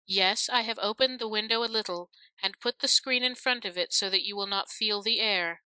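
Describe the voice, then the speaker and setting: A woman voicing a tender mother, hushed and anxious. the tone is bright and crisp. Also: mid-range voice, normal speed, no echo, lightly acted, poor audio. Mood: tender, soothing. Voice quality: soft, gentle.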